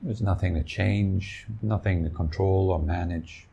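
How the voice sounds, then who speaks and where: A man guiding a meditation as a teacher, giving gentle instructions in short, soothing phrases with long pauses. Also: deep voice, steady tone, gravelly, husky.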